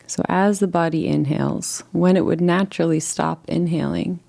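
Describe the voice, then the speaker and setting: In a lowish, creaky voice, a woman leads a guided relaxation meditation. Her delivery is gentle, soothing and unhurried, with long pauses separating each phrase.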